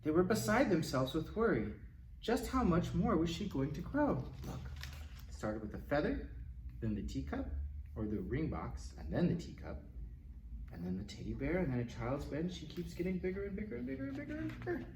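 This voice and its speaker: Animated man reading a storybook, distant mic. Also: on the high side, a little fast. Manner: animated, dramatic, with exclamations and asides to children. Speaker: library storytime reader. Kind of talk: expressive children's picture-book read-aloud. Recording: roomy, distant mic, faint noise.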